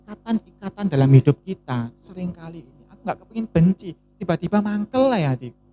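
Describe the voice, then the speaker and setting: Lively woman preaching. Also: lowish voice, fast talker. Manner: lively, rhetorical questions to the congregation. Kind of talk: sermon.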